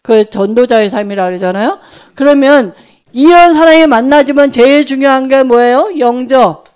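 A woman's voice: high voice, moderate pace, a little mellow, smooth. A woman giving an informal sermon on evangelism, speaking conversationally and often checking that listeners agree.

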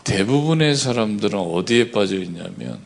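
A man preaching a sermon, often asking the congregation for agreement and swinging between loud emphatic bursts and quiet asides. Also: on the low side, expressive, normal speed, creaky. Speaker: pastor.

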